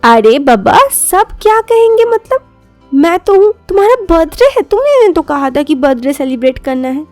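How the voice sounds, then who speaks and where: A woman's voice: sits high, sing-song, moderate pace, a little mellow, no room sound, soft background music. A woman voicing a young college woman in love, shy and anxious but principled, earnest in an audio story. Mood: playful, surprised. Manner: earnest, protesting.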